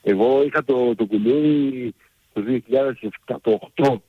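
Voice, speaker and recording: A man who coaches a women's football team, answering in a hesitant, measured way with many fillers. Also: medium pitch, husky, dry recording, phone-quality sound.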